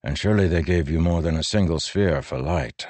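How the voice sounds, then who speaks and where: A man voicing a stern, burdened middle-aged warlord who speaks in a firm, measured, grave way. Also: very deep voice, darkish tone, no room sound. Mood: earnest. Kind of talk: audiobook character voice.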